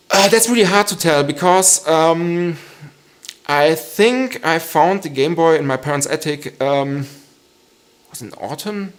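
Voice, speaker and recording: A man in his thirties from western Germany with a German accent, hosting a casual live stream Q&A, hesitant with many ums and frequent chuckles. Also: fairly high pitch.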